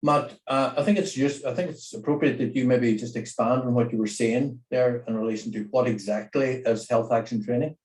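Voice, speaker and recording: A man's voice: medium pitch, fairly even intonation, brisk, few pauses, a little mellow, roomy sound, far from the mic. A man chairing an online information session as a nursing educator, speaking hesitantly with many fillers.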